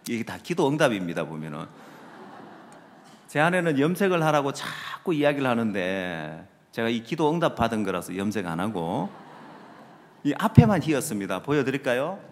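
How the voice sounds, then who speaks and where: Animated pastor preaching in an echoing hall. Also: male voice, moderate pace, a little hiss or hum. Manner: lively, rhetorical questions to the audience, trails off with low asides. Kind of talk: sermon. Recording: long reverb of a large hall.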